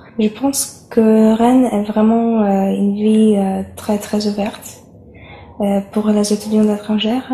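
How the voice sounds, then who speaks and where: Speaking very slowly in a monotone, flat intonation, a woman with a fairly high pitch is heard with audible room echo and light background noise. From Poland. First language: Polish (speaking French). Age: 20s. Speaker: music student. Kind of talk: interview answers. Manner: halting. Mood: warm, smiling.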